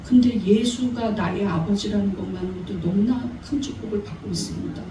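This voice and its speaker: A woman's voice: medium pitch, fairly quick, a crowd in the background. A woman pastor preaching a sermon in a church, exhorting her congregation and asking them questions. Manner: exhorting, asks the congregation often. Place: church sanctuary. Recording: echoey church hall, mic far off.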